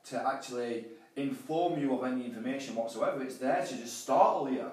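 A man's voice: mid-range voice, brisk, a little mellow. A man, a life and business coach, speaking earnestly as a guest in an interview, often repeating words as he restarts. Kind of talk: podcast interview. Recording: echoey room, mic far off.

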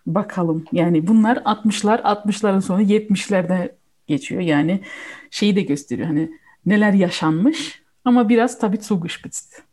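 Mellow woman chatting casually. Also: mid-range voice, normal speed. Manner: switches between Turkish and German mid-sentence. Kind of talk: casual chat, explaining a film.

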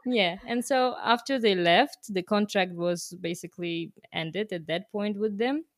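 A woman's voice: mid-range voice, measured pace, dry recording, studio quality. A woman guest in a casual interview, talking in a chatty, loose way with lots of fillers and frequent laughter. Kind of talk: casual conversation.

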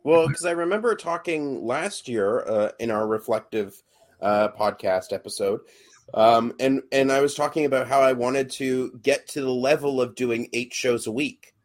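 A man's voice: mid-range voice, normal speed. A young adult man, a podcast co-host and actor, chatting casually and hesitantly with many fillers and restarts.

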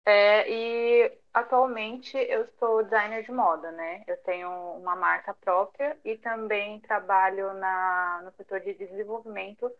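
A woman's voice: medium pitch, steady tone, a little slow, hardly any pauses. A young woman chats as a podcast guest, filling her talk with small fillers and brief laughs. Her voice sits mid-range for a woman. The sound is a little dull and lo-fi. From São Paulo, Brazil. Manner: chatty, many fillers, light laughs. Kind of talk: conversational interview.

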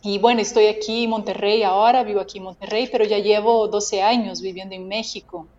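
Expressive Brazilian-accented woman. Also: medium pitch, a little fast, lo-fi sound, slight background noise. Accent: Brazilian Portuguese. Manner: expressive, emotive, laughs often. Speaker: consecrated laywoman, podcast guest. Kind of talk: casual podcast interview.

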